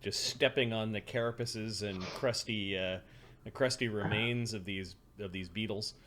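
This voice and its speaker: A man's voice: fairly low pitch, fairly even intonation, moderate pace, fairly bright tone. A man narrating a tabletop role-playing game as game master, describing scenes as he improvises them.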